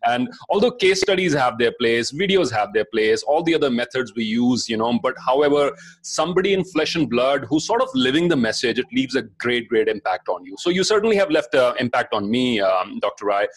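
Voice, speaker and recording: Fast-talking man with North Indian accent. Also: medium pitch, expressive, slightly rough. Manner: effusive, appreciative. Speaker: interviewer, professional speaker. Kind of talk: conversational interview, switching between Hindi and English.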